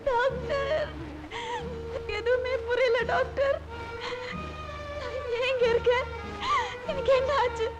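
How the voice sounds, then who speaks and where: A high, tearful voice of a frightened young woman who has lost her memory and begs for help between sobs. Music hums behind her on the old film soundtrack. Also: level tone, unhurried, pauses often, lo-fi sound. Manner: pleading, tearful. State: crying.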